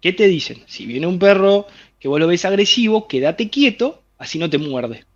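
Man, Rioplatense accent, fairly high voice, muffled lo-fi sound, lively explanatory interview talk. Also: normal speed. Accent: Rioplatense Spanish. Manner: explains with vivid hypothetical scenarios, addresses listener directly. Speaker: interviewee explaining a health theory.

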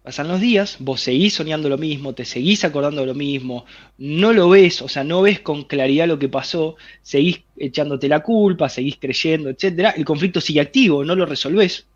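Over dull audio, a fairly high-pitched man with a Rioplatense Spanish accent speaks at a moderate pace. In an animated interview, he explains a health theory by telling the listener vivid, everyday scenarios directly.

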